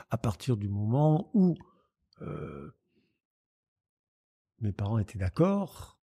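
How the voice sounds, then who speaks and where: In a very clean recording with a silent background, a man with a Marseille accent speaks very slowly at a medium pitch, his tone dark and mellow and his pitch swinging very widely. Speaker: three-star chef. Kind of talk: interview answer. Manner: energetic.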